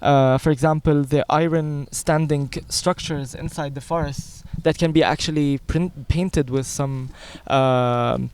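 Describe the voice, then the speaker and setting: A man's voice: fairly high pitch, fairly even intonation, measured pace, few pauses, darkish tone, clean tone. A young man from Lebanon, explaining things articulately in a conversational interview. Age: young adult. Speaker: interview guest, young environmental scientist.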